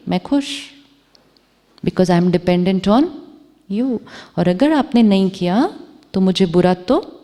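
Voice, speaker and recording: A woman spiritual teacher speaks in an unhurried, measured way, posing the same question to her audience again and again. Her voice is warm and mellow, with a long reverb trailing behind it from a large hall. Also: on the low side. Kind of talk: spiritual talk to a live audience.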